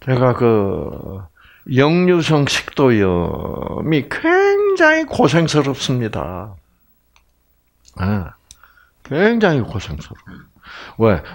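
Older guy teaching a health class on stage, slow and very up-and-down, goes from shouting to whispering. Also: mid-range voice, gravelly. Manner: animated, swings between exclaiming and hushed asides. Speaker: health lecturer. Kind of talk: health lecture. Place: large indoor lecture hall with stage.

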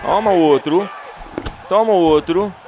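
A man with a European Portuguese accent commentating his own fight game, excitable and lurching from yelling to groaning. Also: high voice, slow pace, muffled recording, background noise. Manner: animated, swings from yelling to groaning. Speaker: gaming YouTuber.

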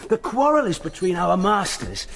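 A man's voice: high-pitched, wildly swooping pitch, vocal fry, fairly bright tone, slight background noise, heavily acted. A man playing a wry, wary servant who banters and teases in a Shakespearean radio drama. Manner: quick bantering replies.

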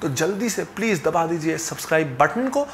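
Young guy w a higher voice, earnest explainer to camera, lapel mic, faint hum in the room. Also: a little fast. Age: young adult. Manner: earnest, steady, gestures with hands while explaining. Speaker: finance channel host. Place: small home office indoors. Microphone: clip-on lapel mic.

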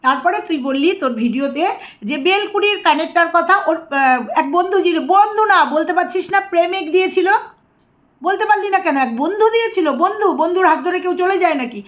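A woman's voice: very high voice, quick pace. A woman ranting to camera as a vlogger, scolding and sarcastic, repeating taunts mockingly. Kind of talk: angry rant to camera.

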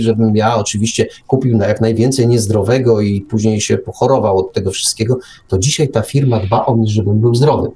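On his radio talk show, a podcast host shares opinions conversationally, using ironic exaggeration, rhetorical questions and repetition to drive points home. His voice is medium-pitched with a dark tone.

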